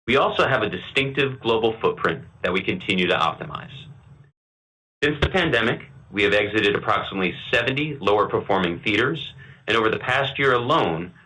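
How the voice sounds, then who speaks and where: A man reading prepared remarks as a company executive on an earnings call, in a formal, measured corporate manner. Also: fairly low pitch, pushed and bright, rough recording. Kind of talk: scripted earnings call presentation.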